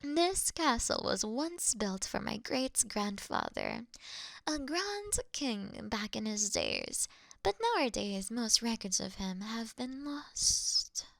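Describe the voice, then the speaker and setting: Woman doing a flirty predatory vampire queen, highish voice w some creak, slow n whispery, roleplay audio. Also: huge pitch swings, fairly bright tone, no echo, exaggerated voice. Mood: charming, flirty. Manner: breathy, often whispered, refined and unhurried. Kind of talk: intimate roleplay audio drama, ASMR-like.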